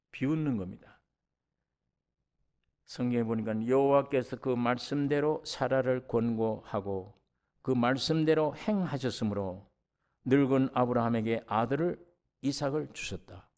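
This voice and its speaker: A man's voice: a little slow, long pauses. Impassioned male preacher. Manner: animated preaching, voices biblical characters in dialogue; rises sharply in pitch and volume when stirred. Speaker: pastor. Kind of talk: sermon. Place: church sanctuary.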